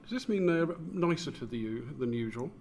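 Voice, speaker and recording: A man interviewing conversationally in a polite, measured, wry manner. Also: medium pitch, lively intonation, darkish tone, slight background noise. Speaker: interviewer, co-host.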